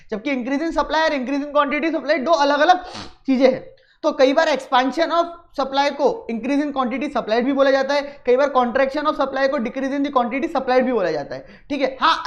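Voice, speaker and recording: A man's voice: very high-pitched, lo-fi sound. A male economics teacher giving a recorded lecture in a conversational way, often checking whether his students have understood.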